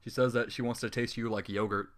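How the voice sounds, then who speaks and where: A man's voice: medium pitch, fairly even intonation, fast, fairly bright tone. A young man reading a story aloud and breaking off into exasperated, sarcastic, profanity-laced commentary. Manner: exasperated, sarcastic, swears a lot. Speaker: fanfiction reader. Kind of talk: comedic dramatic reading with commentary.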